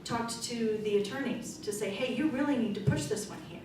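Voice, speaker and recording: A middle-aged woman speaking as a political candidate at a forum, loud and forthright in a conversational way. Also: on the high side, a little fast. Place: meeting room. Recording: echoey room from far off, noisy.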